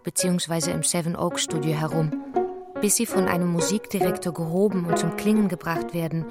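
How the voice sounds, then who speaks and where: Actress as low, even-toned female radio narrator. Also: fairly quick, lightly acted. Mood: composed. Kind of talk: scripted narration for radio play. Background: loud guitar music.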